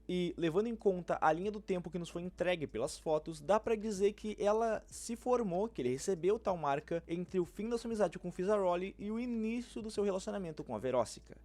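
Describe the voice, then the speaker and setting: Homem brasileiro de voz bem aguda. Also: male voice, high-pitched, darkish tone. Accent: Brazilian. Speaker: YouTube fan-theory narrator. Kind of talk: scripted narration.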